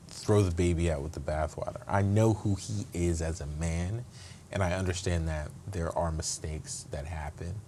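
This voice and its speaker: A man's voice: low-pitched, warm tone, a little hiss or hum. A man speaking as an interview guest, earnest and reflective, often restarting his sentences. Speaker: guest, state attorney. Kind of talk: conversational interview.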